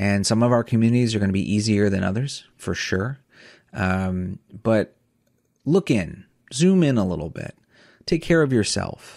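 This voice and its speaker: A man with a fairly low pitch talks over a quiet background. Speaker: podcast host. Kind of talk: casual chat. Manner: halting, many filler words. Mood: earnest, reflective. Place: home room.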